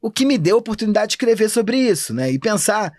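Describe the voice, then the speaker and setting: A Brazilian man, an anthropologist, talking fast and animated in a casual podcast interview. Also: high-pitched, no room sound, clean studio sound. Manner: animated, talks fast and thinks aloud. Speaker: anthropologist guest.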